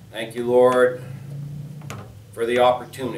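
A man at a fairly slow pace, music in the background. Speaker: preacher. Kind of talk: sermon. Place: church. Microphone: camera far.

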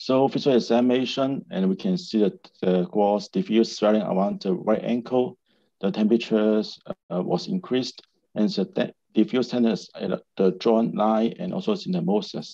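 A man talks at a moderate pace in a medium pitch. His pitch swings very wide over a quiet background. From Hong Kong. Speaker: orthopaedic surgeon. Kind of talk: case presentation. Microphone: video call.

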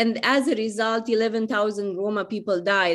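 A woman is speaking. The background is quiet. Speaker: researcher; panelist. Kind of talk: panel discussion. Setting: video call. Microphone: video call.

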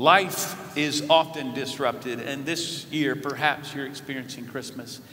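The speech moves at a moderate pace with fairly even intonation. Light background noise sits behind it. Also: man. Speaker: pastor. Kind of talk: sermon. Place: church. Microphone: podium.

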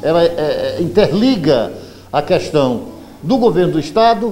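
Light background noise sits behind a man whose intonation is lively. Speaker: local web TV reporter. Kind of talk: on-location interview. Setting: union headquarters, on location. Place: hall. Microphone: handheld.

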